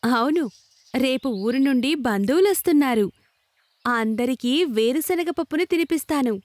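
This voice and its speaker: A woman's voice: high voice, expressive, normal speed, darkish tone, no echo. A woman playing a cheerful, friendly female customer in a children's cartoon, with exaggerated sing-song delivery. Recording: music under the voice.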